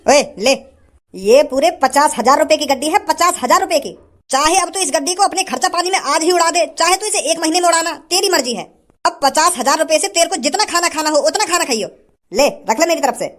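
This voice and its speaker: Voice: high-pitched, a little fast, a bit bright. A performer voicing a brash, generous young rich man in a comedy skit, lecturing and boastful.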